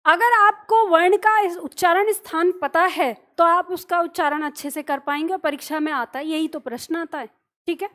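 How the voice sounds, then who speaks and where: Woman teacher, very high pitch, patient, explains step by step. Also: moderate pace, fairly bright tone. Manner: patient, explanatory, often checks in with listeners. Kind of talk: classroom lesson.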